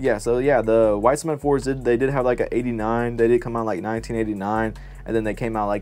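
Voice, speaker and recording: A man at a moderate pace with fairly even intonation, faint music in the background. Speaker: sneaker vlogger. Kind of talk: casual vlog chat. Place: home room. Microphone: lapel.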